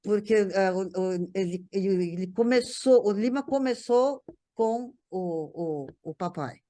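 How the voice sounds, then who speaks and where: A woman's voice: medium pitch, measured pace, warm tone. An older woman with a São Paulo Brazilian accent, reminiscing casually in conversation and often repeating words as she searches for the next. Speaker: guest recalling a parent's career.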